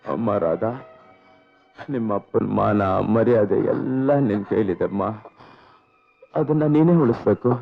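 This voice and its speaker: A man's voice: fairly low pitch, measured pace, creaky, pauses often. An actor playing an aging imprisoned father who tenderly soothes and pleads with his daughter. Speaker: jailed father. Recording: dull lo-fi film soundtrack with faint music.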